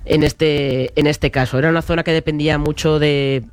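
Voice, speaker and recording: A woman's voice: low voice, steady tone, normal speed, no echo. A woman from León, Spain, a podcast guest who talks hesitantly and good-humouredly. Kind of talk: casual discussion.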